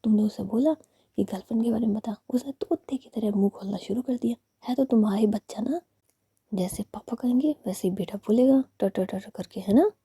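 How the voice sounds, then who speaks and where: A jealous young woman whispered by a female storyteller scolds in a sharp, raised hush. The voice is husky and dark, close and dry. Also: a little high, a little fast, dry recording. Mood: scolding.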